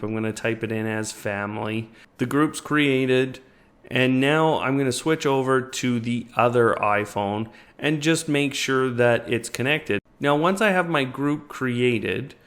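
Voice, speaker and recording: A man's voice: medium pitch, a bit bright. A man hosting a tech tutorial, explaining a product setup step by step in a casual way. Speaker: tech reviewer and tutorial host. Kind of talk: step-by-step product demo narration.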